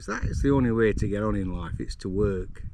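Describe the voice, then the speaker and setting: A man with a Yorkshire accent. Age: 60s. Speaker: vlogger, farmer and former bus worker. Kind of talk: casual monologue vlog. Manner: animated, stumbling over words.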